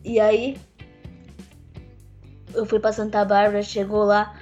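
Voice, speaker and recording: A woman of middle pitch tells her story earnestly, stopping and restarting often, with a voice that is still a little rough. The sound is muffled and lo-fi, with faint music in the background. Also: flat delivery, darkish tone. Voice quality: voice still rough since a tracheostomy. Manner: earnest, halting, with many fillers and restarts. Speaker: interviewee. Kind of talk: personal account in a conversation.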